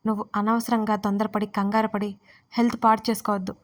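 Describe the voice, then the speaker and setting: A woman voicing a calm, reassuring young man who speaks firmly and seriously in a romance audio story. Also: mid-range voice, brisk, natural voice. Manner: firm and serious.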